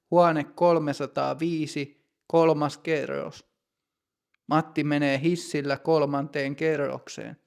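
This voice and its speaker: Gravelly, slow-reading man. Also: on the high side. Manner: slow, clear, deliberate reading. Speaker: language teacher narrator. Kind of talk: scripted narration for learners.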